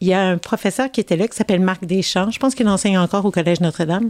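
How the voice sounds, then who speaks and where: The speech comes at a very fast pace with ordinary pitch variation, in a very clean, dry, close recording with no echo and a silent background. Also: woman. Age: 50s. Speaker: opera singer. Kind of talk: casual chat.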